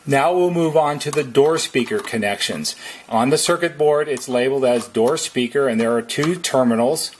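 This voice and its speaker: A man giving methodical, step-by-step instructions as a repair technician, in a deliberate how-to narration. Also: mid-range voice, slight background noise.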